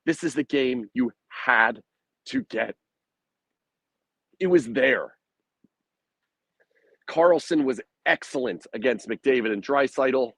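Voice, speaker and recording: A man hosting a postgame hockey livestream, speaking bluntly and with frustration in a hoarse, raspy voice that is recovering from laryngitis. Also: medium pitch, slow pace, long pauses, a bit bright, dry recording. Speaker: hockey podcast host. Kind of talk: postgame sports commentary.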